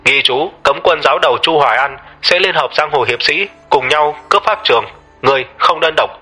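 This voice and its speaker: A man voicing a cold, emotionless game system that announces tasks in an audio story, with a husky tone. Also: fairly high pitch, fairly quick, faint music behind. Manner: flat announcing, cold and impersonal.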